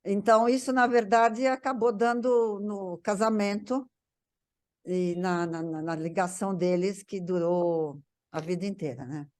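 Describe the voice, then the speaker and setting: An older woman speaks at a middling pitch. She reminisces conversationally, circling back and repeating small words while she looks for the right phrase. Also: steady tone, unhurried, darkish tone. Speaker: guest recalling a parent's life.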